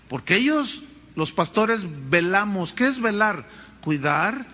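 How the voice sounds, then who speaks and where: A Mexican man preaching a sermon from the pulpit. His pitch is high and swings widely as he tells dramatic stories. His voice has a bright, forceful edge. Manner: animated, dramatic storytelling with acted voices. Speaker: pastor.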